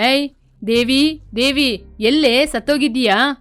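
A woman voicing a rude, domineering grown son who talks back curtly in a lowered voice. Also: steady tone, moderate pace, clean tone, close to an everyday voice. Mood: defiant. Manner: curt, defiant, lowered voice.

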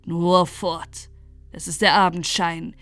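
Woman putting on a loud cold grim knight, chanting rhymes, dry sound. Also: lowish voice, little pitch movement, slow, no room sound, faint music behind, voice pushed down.

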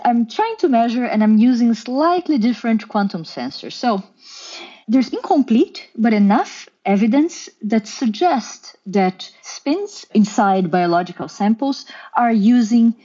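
A woman's voice: mid-range voice, warm tone, husky, dull audio. A woman in her thirties from Brazil, with a Brazilian Portuguese accent, explaining her research carefully as a podcast guest. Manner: careful, explanatory, with occasional restarts. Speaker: guest scientist.

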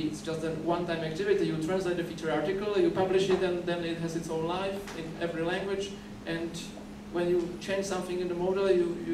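Speaking at a podium in a dim lecture hall, a young native Czech speaker from the Czech Republic delivers a conference talk in a fairly high voice. He keeps restarting and repeating words as he explains. The sound comes from a podium mic picked up by a distant camera, giving a noisy, echoey, far-off recording.

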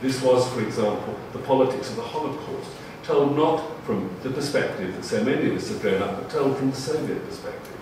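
A man giving a measured, formally phrased panel talk in a lecture room before an audience. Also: mid-range voice. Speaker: panel speaker. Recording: echoey room, far mic, audible noise.

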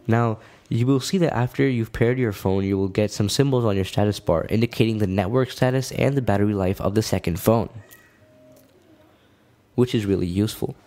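Low-voiced man hosting a tech tutorial. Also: fairly quick, a little mellow. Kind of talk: casual step-by-step tutorial narration.

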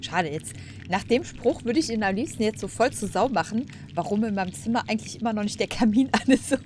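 A woman's voice: medium pitch, animated, a little fast, darkish tone, a little hiss or hum. A woman giving casual, chatty let's play commentary, musing aloud as she plays. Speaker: gaming host.

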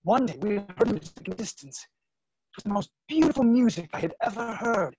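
Man as a husky, lovestruck young nobleman. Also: high-pitched, lively intonation, fairly quick, a little mellow, no echo, rough recording. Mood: wistful. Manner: earnest, romantic. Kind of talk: stage play reading. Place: room at home, video call.

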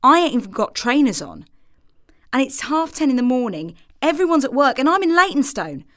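Exasperated young working-class woman, London accent, colloquial monologue, lively, dry sound. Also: sits high, brisk, no echo. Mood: exasperated confiding. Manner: confiding, colloquial storytelling. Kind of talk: comic stage monologue.

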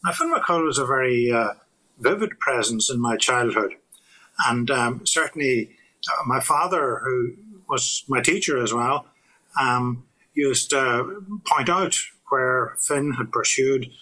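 An older Irish man speaks to a webcam in a small curtained room, giving a talk on local history. His tone is bright and clear. He pauses often and restarts his sentences in a thoughtful, unhurried way. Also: medium pitch, animated, poor audio. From Ireland. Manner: reflective, hesitant with frequent fillers and restarts. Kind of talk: recorded talk to camera.

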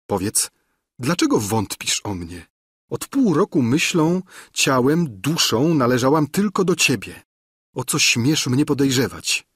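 A man reading aloud the impassioned, pleading lines of a despairing young woman in love, in a husky voice. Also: mid-range voice, a bit bright, no room sound, clean studio sound, full character voice. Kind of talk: audiobook reading of a classic novel.

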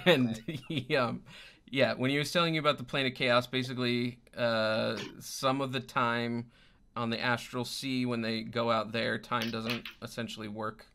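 A man in his thirties narrating a tabletop roleplaying game off the cuff as game master, pausing to find his words. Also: mid-range voice, fairly even intonation, sharp tone, slight background noise. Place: indoor room at home, on a video call.

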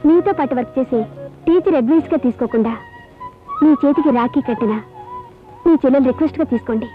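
A woman playing a blunt, fast-talking young teacher. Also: sits high, natural voice. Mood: lecturing. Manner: blunt and lecturing, then softly coaxing a crying baby. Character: outspoken young woman teacher, newly married. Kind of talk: dubbed film dialogue. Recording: dull lo-fi film soundtrack with music.

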